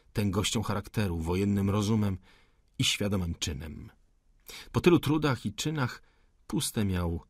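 A man reading a classic novel aloud as an audiobook, measured and dramatic with long pauses. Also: fairly low pitch, slightly rough, no room sound, clean studio sound. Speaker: audiobook narrator. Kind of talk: literary audiobook narration.

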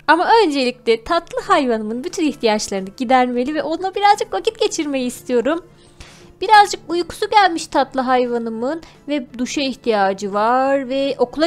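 A woman with a very high, girlish pitch hosts a game role-play. She speaks in a theatrical, exclamatory way, with faint music behind her. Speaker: gaming video host. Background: background music.

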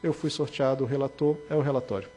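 A Brazilian man, a board director, reading a formal case report in a measured way, with brief spoken asides. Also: mid-range voice, steady tone, warm tone, breathy edge. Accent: Brazilian Portuguese.

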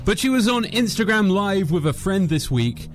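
A man's voice: high voice, expressive, moderate pace. A young man hosting afternoon music radio with upbeat DJ links, speaking close to a studio microphone. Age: young adult. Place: small padded radio studio. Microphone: close studio microphone on boom arm. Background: music bed.

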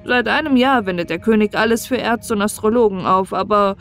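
A woman's voice: mid-range voice, fairly quick. A woman reading a scripted fairy tale as an audiobook narrator, in bedtime storybook style. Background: music behind the voice.

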